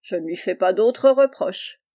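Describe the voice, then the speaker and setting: A woman's voice: mid-range voice, lively intonation, a little slow, dark tone. A woman reading the part of a talkative, bustling middle-aged mother-in-law. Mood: chatty.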